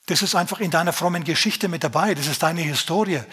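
Man, preacher, sermon, husky voice, fairly high pitch, talks straight to the congregation, rhetorical questions. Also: quick pace. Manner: lively, conversational, addresses congregation directly with rhetorical questions.

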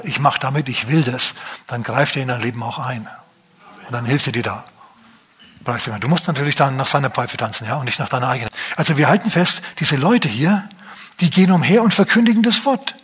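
A man preaching a sermon, animated, now and then mimicking complaining voices in a higher pitch. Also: breathy edge.

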